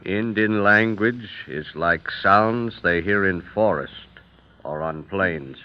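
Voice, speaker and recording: Deep, very slow Native American witness. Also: male voice. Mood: solemn, explaining. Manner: deliberate, terse broken English without articles. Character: solemn Native American male witness, plain broken English. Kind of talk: old radio drama acting. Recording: dull vintage radio recording.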